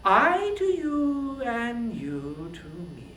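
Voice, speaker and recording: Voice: mid-range voice, huge pitch swings, drawn-out words, pushed and bright, echoey room, slight background noise, pitched above the performer's own voice, exaggerated voice. A performer voicing a wily, imperious queen of the gods, theatrical and coaxing, in an epic poetry reading.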